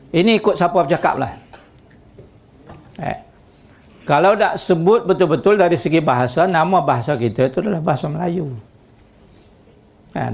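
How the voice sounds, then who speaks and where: A man's voice: high-pitched, creaky, a little mellow. A man giving a talk, asking questions of his listeners in a conversational way. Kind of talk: lecture.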